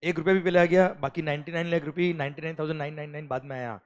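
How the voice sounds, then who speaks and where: A man teaching a lecture in an animated, coaxing way, often calling the students "beta" and reading legal text slowly, word by word. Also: fairly high pitch, smooth. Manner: animated, coaxing, mixes English phrases, calls students beta.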